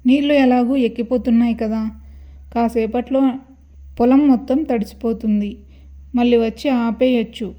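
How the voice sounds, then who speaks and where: A woman's voice: a little high, steady tone, normal speed, long pauses, dull audio, close to an everyday voice. A woman voicing a worried village farmer father in a told horror story.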